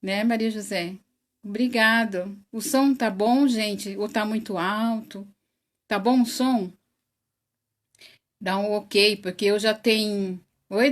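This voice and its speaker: A Brazilian woman with a somewhat high voice hosts a live online study, taking her time as she greets each viewer by name. Her casual chat is broken by frequent little laughs, and her voice is loud by her own account. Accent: Brazilian Portuguese. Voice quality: says she has a very loud voice. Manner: greets viewers one by one by name, laughs often, slow and chatty. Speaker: host of an online spiritist study.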